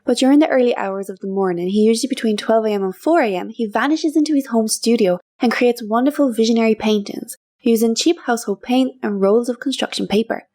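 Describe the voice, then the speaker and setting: A woman introducing an interview in a smooth, read-aloud way. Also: fairly high pitch, fast, hardly any pauses, mellow. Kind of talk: scripted introduction.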